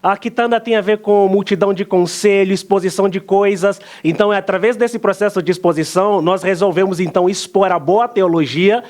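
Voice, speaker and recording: A man from Angola speaks with an Angolan Portuguese accent worn down by long years in Brazil. His voice sits notably high for a man. He answers in a studio interview, calm and explanatory, often pausing on a drawn-out "ah". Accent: Angolan Portuguese, partly softened by years in Brazil. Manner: measured, explanatory, with frequent "ah" pauses. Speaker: pastor and guest.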